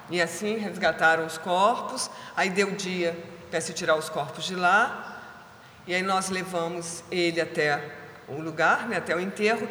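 A woman giving a spiritual talk, calmly and gently telling a personal story. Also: lowish voice, slight background noise. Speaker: spiritual caretaker and speaker. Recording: echoey hall with faint ambience.

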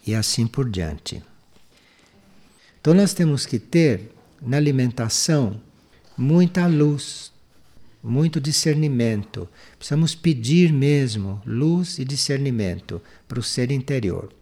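Brazilian man giving a measured spiritual talk. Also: medium pitch, animated, mellow. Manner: measured, didactic, explanatory. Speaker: spiritual teacher. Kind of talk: spiritual talk answering audience questions.

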